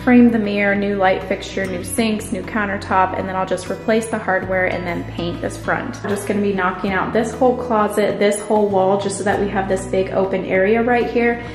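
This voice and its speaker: A woman's voice: mid-range voice, fairly even intonation, brisk, few pauses. Upbeat woman vlogger, echoey rooms. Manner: upbeat, enthusiastic. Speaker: home renovation vlogger and host. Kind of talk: casual house tour narration. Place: empty house, indoors. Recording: echoey empty rooms, music underneath. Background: background music.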